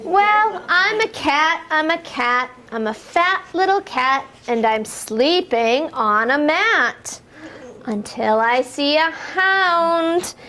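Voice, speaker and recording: A woman reading picture books aloud to young children in an animated, encouraging way, asking them questions and playfully exclaiming the action words. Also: high voice, slow. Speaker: storytime reader for young children.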